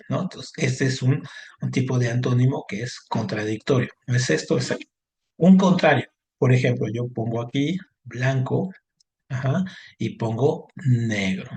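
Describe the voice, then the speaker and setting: A man's voice: medium pitch, gravelly, darkish tone. A man teaches a lesson in an explanatory way. He keeps checking in with his listeners, with many short questions and fillers. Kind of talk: online class lesson.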